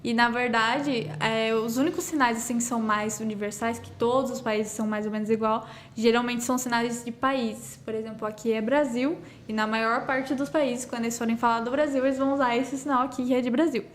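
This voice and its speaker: A woman's voice: a little high, fairly even intonation, brisk, few pauses, a little hiss or hum. A woman, a sign language teacher and podcast guest, explaining things with everyday examples and a frequent "né?". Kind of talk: casual podcast conversation.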